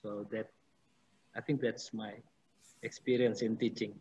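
A man's voice: lowish voice, level tone, measured pace, mellow, poor audio. A man in his forties with an Indonesian accent, a lecturer speaking hesitantly on a panel video call through a headset, with many restarts and fillers. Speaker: university lecturer. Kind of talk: panel discussion. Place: small room indoors.

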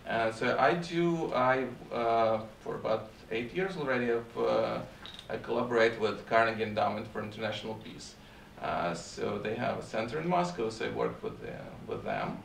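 Man with a Russian accent, halting. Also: mid-range voice, creaky, a little hiss or hum. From Ukraine. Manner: halting, many fillers. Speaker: court interpreter and translator. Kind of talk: panel talk. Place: university seminar room. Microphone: far camera. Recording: echoey room from far off.

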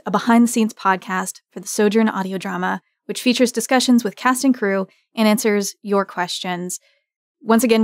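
A woman's voice: medium pitch, dry recording. A woman hosts a podcast interview with a mid-range voice. Her delivery is effusive and conversational. The recording is dry and close. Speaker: podcast host. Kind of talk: interview hosting.

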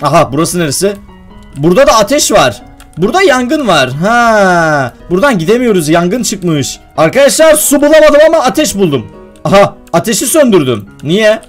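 A young man playing a video game and commenting to his viewers, excitable and quick to get worked up when the game goes wrong. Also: high-pitched, soft background music. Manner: excitable, addresses viewers as friends, gets worked up at traps. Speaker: gaming YouTuber.

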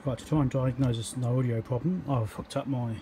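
A man's voice: medium pitch, fairly even intonation, fairly quick. A man talking casually and matter-of-factly through electronics repair, thinking aloud in short fragments at a workbench. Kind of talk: casual unscripted workbench commentary. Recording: noisy hand-held workshop recording.

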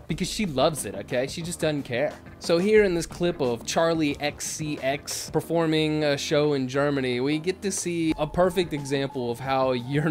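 A man in his thirties giving casual, sarcastic reaction commentary into a desk microphone at home. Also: mid-range voice. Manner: sarcastic, animated. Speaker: YouTube commentator. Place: small home streaming room, indoors. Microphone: desk microphone on a boom arm.

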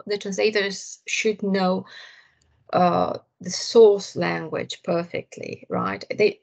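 A woman's voice: medium pitch, gravelly. A woman with a Romanian accent giving an online lecture to colleagues, hesitant, with many fillers and restarts, over a video call.

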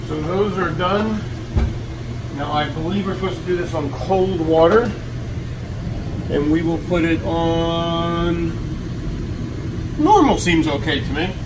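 A middle-aged man with a slightly higher voice talks through a how-to in a chatty, self-deprecating way. He sounds a little away from the camera mic in a hard, echoey laundry room, with steady machine and air hum behind him. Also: recorded from a distance. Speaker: travel vlog host. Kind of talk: casual how-to vlog narration. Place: cruise ship laundry room.

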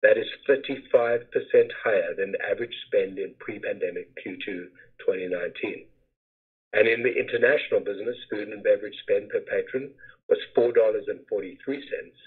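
A man in the role of a company finance executive reading a scripted earnings presentation in a formal, measured manner. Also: fairly low pitch, husky. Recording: muffled phone-like conference call webcast audio.

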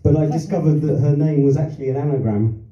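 This older man from London talks fast in a fairly high voice during his stand-up set on a small theatre stage, meandering through anecdotes with chuckles and self-deprecating remarks. The handheld-mic performance was recorded from the audience, giving a dull, distant, roomy sound.

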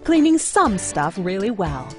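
A woman's voice: medium pitch, big pitch swings, measured pace, loud music behind the voice. A woman announcer reading a scripted parody commercial.

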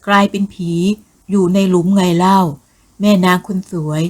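A woman voicing a lecherous, brutal male soldier, speaking in a slow gloating drawl. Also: mid-range voice, flat delivery, lightly acted. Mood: gloating menace.

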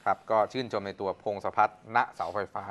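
A man hosting a political talk show, briskly reading news items and moderating the panel. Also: fairly low pitch, fairly even intonation, a bit bright.

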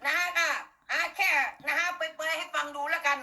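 A woman's voice: high voice, fairly even intonation, a little fast, sharp tone. Fiery Isan-accented older woman ranting. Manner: blunt, crude and fiery, swears often. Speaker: talk show host. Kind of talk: political rant to viewers.

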